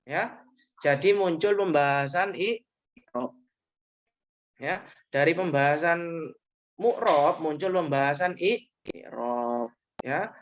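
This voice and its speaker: A man's voice: a little high, slow, pauses often. A man teaching grammar in an online class, explaining patiently and repeating each point with short checking tags.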